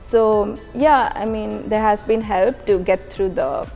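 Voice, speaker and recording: A young woman from India describes her student experience. She speaks in a relaxed, considered way with a few fillers, in a mid-range voice. Soft music plays faintly behind her. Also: mid-range voice, slow, vocal fry. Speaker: international student. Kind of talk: casual student testimonial.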